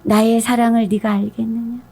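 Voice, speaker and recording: A patient, loving divine father who reproves gently through calm questions, as a woman voices him. The voice is high and unhurried, close to the speaker's own. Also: slightly rough. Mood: gently reproving.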